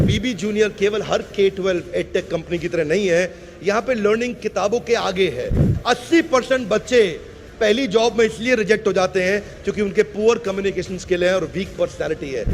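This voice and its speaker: A man giving a loud promotional stage speech, rallying the audience with rhythmic slogans. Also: high-pitched. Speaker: speaker pitching an education program. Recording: loud crowd and noise behind. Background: loud crowd and noise.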